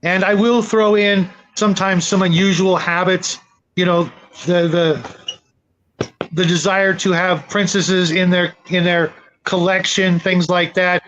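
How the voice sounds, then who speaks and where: A man's voice: high-pitched, flat delivery, a little slow, fairly bright tone, a little hiss or hum. A man hosting a casual panel discussion on a hobby, explaining things by way of examples. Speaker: host of a tabletop gaming panel. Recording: dull lo-fi audio.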